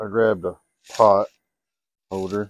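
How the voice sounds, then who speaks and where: A man's fairly low voice with a dark, mellow tone, dry with no echo over a quiet background. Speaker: outdoor cooking vlogger. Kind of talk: casual vlog chat. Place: garden. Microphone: lapel.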